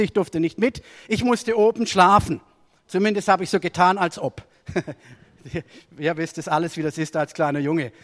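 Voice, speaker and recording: High-voiced preacher in a reverberant hall. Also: male voice. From Germany. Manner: storytelling sermon with swings between raised emphasis and quiet asides. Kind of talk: sermon.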